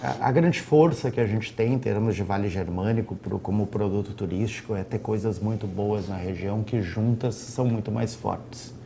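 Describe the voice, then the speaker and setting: A man's voice: fairly low pitch, moderate pace, gravelly, hardly any pauses, warm tone, slight background noise. A man speaking as a tourism director guest on a studio talk show, fluently listing regional events and attractions. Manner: promotional, fluent, listing facts.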